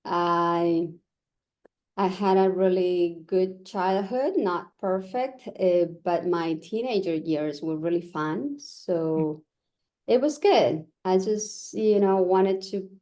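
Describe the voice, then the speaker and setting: A woman's voice: lowish voice, slow pace, darkish tone. A woman in her forties from Ecuador, a native Spanish speaker with an Ecuadorian accent, talking casually as an interview guest. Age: 40s. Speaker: podcast guest, vocal sound healer.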